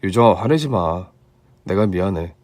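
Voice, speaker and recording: A man voicing a kind, diligent young husband who speaks calmly and earnestly. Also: normal speed, no echo. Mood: sheepish. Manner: low, calm and earnest.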